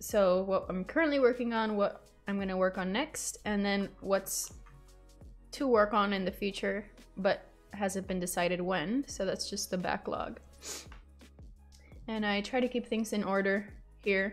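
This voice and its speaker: A woman speaks at a fairly slow pace with long, frequent pauses. Faint music plays behind her. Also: ordinary pitch variation. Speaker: game developer streamer. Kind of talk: tutorial.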